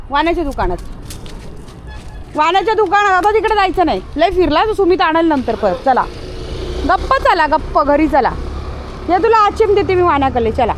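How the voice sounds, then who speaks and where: A woman's voice: high-pitched, slight background noise. A woman, talking to her pet dog outdoors in a coaxing, repetitive, sing-song way. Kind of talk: casual coaxing talk to a dog.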